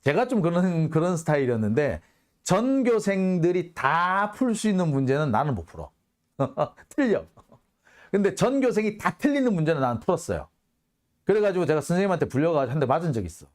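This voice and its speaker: A man's voice: a little high, sing-song, a little fast, darkish tone. A man hosting a political commentary monologue, heated and sarcastic, firing off rhetorical questions.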